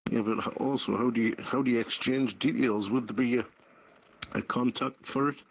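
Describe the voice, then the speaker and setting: A man's voice: medium pitch, steady tone, moderate pace, no room sound. A man in a casual panel discussion of the news, sceptical and full of questions. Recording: muffled lo-fi audio.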